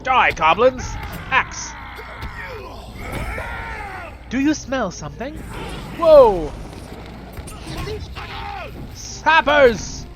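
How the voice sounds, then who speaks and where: A man voicing a spirited elf bard in a fantasy game, with a theatrical, excitable manner. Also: extremely high pitch, extremely slow, creaky, pauses often, music in the background, pitched above the performer's own voice, exaggerated voice. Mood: excited, urgent. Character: spirited male fantasy elf bard, eager battle comrade. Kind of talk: acted fantasy game role-play.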